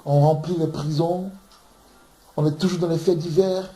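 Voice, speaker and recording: A man's voice: on the high side, steady tone, normal speed, warm tone. Emphatic Ivorian man preaching in echoey room. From Ivory Coast. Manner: emphatic, repeats words while searching for them. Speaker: preacher teaching scripture. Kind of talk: impassioned bible teaching. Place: room in London.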